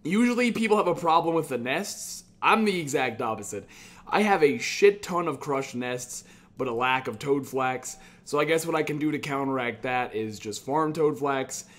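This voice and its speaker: A man's voice: mid-range voice, expressive, normal speed, a bit bright. A man giving casual, chatty commentary over his own gameplay, upbeat and prone to casual swearing. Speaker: gaming YouTuber.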